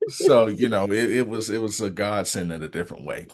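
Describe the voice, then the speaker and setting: A man talks at a moderate pace with an American accent. His pitch is fairly low, and the background is quiet. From US South. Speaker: podcast host. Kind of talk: casual chat. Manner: animated.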